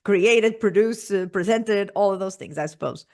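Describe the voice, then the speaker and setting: A woman's voice: medium pitch, moderate pace, darkish tone. A woman hosting a podcast interview, asking questions curiously and laughing often. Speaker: podcast host. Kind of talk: casual interview conversation.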